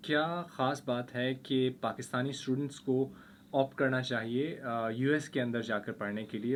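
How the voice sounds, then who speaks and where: A man's voice: medium pitch, slight background noise. A man co-hosting a radio show, fluently summarizing the conversation for listeners. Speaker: radio co-host. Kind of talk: radio recap.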